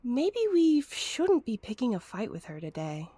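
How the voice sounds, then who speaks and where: A woman's voice: on the high side, measured pace, dry recording. A woman acting in an audio drama as an anxious, wry young female sleuth, talkative and a little hesitant. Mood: questioning. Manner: hesitant, expressive.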